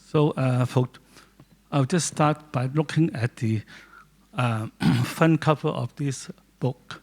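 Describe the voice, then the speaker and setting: A man with a Hong Kong accent, a native Cantonese speaker, giving a halting informal talk in English about his photo book to a small audience in a gallery. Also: mid-range voice, darkish tone. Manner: halting, with many restarts and pauses. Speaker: guest speaker, doctor and photographer.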